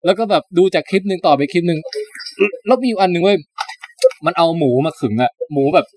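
A podcast host chatting casually, animated storytelling with crude slang. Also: male voice, sits high, a little fast, no room sound. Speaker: podcast host reviewing shows. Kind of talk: casual chat.

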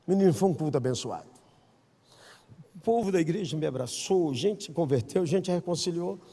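A Brazilian man preaching a sermon as pastor, telling stories with acted-out quotes, swinging between loud calls and hushed asides. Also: a little high, fairly quick, breathy edge, long reverb tail. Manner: animated storyteller, acts out quotes, swings from shouting to hushed. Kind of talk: sermon with storytelling. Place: church.

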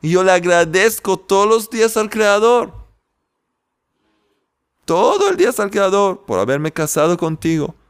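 Soft pleading shoemaker, voiced by a man, tender, smooth low voice. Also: lively intonation, takes it slowly. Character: gentle loving humble male shoemaker.

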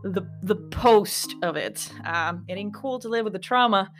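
A woman's voice: medium pitch, unhurried, soft background music. Chatty woman from Kosovo, American-tinged accent. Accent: American-influenced English. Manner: chatty, rambling, with frequent likes and asides to listeners. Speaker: podcast host. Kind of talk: casual reflective monologue.

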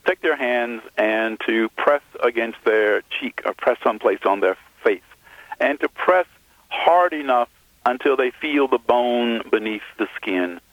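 A man, an author guest on the phone, speaking thoughtfully and haltingly with many fillers. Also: mid-range voice, no echo. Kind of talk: phone interview. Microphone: telephone. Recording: tinny phone line, dry.

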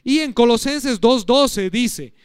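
A man's voice: very high voice, animated, slow, clear, resonant tone, no echo, studio quality. A man preaching a sermon in church, teaching and asking the congregation questions. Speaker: pastor.

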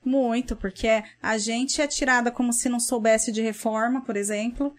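A young woman speaks with a Brazilian Portuguese accent and a high-pitched voice. She answers as a school principal in an earnest, outspoken way, often restarting her phrases. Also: steady tone, moderate pace, faint music behind. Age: young adult. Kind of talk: interview guest on a livestream.

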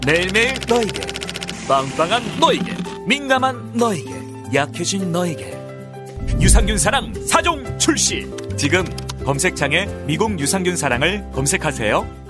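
A man's voice: sits high, big pitch swings, normal speed, music in the background. A man announcing a hard-sell radio advert in an emphatic, punchy, declamatory way. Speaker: commercial announcer.

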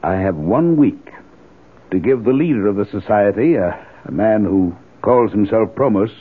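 An actor playing a proud but frightened older father in a 1970s radio drama, evasive, halting and testy. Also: fairly low pitch, animated. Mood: resigned. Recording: rough, muffled old radio broadcast.

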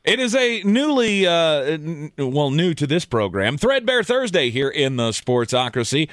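Thirties male radio co-host, agreeable, lively delivery, dry studio sound. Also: on the high side, unhurried, no echo. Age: 30s. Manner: agreeable, backchanneling. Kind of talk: sports talk radio.

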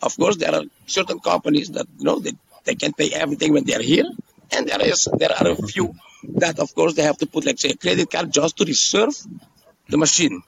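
A man's voice: a little high, fairly quick, gravelly, slight background noise, low-quality recording. A man with an Aruban accent talking casually as a tour guide, explaining things conversationally and often repeating phrases or checking in with a "yes?". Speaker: tour guide being interviewed.

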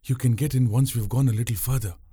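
A man voicing a sharp-tongued young woman who steers a boat, teasing and bossy in a raised voice. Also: mid-range voice, fairly even intonation, fast, slightly rough, no room sound, studio quality, lightly acted. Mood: hushed.

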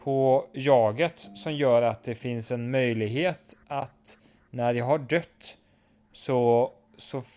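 A man talking casually and philosophically, rambling through his ideas with plenty of hesitant fillers. His voice sits at an ordinary middle pitch. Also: fairly even intonation, dark tone. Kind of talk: casual chat.

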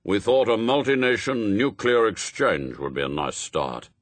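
A man voicing a lofty, imperious heavenly spokesman for God in a storybook, speaking in a pompous, measured, formal way. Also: fairly low pitch, animated, dry recording, natural voice. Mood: coolly commanding.

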